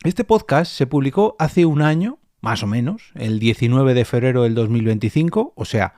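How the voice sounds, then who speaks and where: A man's voice: medium pitch, lively intonation, normal speed, a little mellow, dry recording, studio quality. A man with an accent from Spain hosting a solo podcast, talking casually and directly to his listeners. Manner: conversational, addresses listeners directly. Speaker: podcast host and producer.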